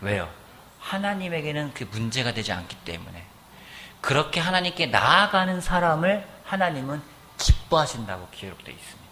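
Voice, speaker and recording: A middle-aged man preaching a sermon as pastor in a church, animated and often asking the congregation questions. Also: on the high side, moderate pace, a little hiss or hum. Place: church sanctuary.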